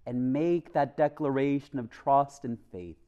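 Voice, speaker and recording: A man in his forties, a Catholic priest giving a homily in a deliberate, earnest manner with pauses for emphasis, at a chapel lectern microphone. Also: mid-range voice, dark tone, clear, resonant tone, lo-fi sound. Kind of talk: homily, measured preaching.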